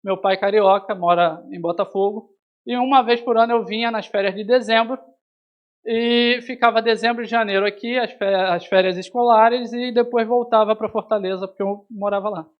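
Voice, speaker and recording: A man's voice: high-pitched, fairly even intonation, normal speed, muffled recording. A man from Brazil preaching a sermon, telling a personal story and calling his listeners brother. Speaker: pastor. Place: church hall.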